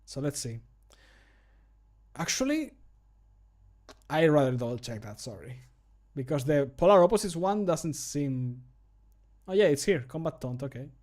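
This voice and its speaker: Man in his thirties, slightly high voice, casual livestream chat, jokey, self-deprecating, thinking aloud. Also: a little mellow. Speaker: streamer, game modder recording voice lines. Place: small home room, indoors.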